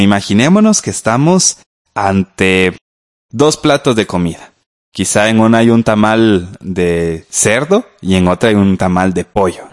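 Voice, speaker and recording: A man teaching a grammar lesson on radio, explaining patiently and speaking straight to the listener. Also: fairly low pitch.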